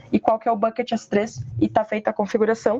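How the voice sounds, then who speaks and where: Her pitch sits fairly high. This woman's delivery runs at a fairly quick pace. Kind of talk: webinar presentation. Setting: online webinar. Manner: fast.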